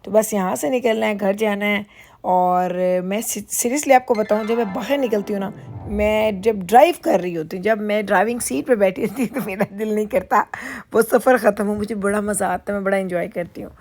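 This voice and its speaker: A woman's voice: medium pitch, a little fast, a little mellow. A middle-aged woman from Pakistan chatting casually in a vlog, rambling and laughing easily as she drives and waits. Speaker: vlogger. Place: car while driving, then dealership lounge.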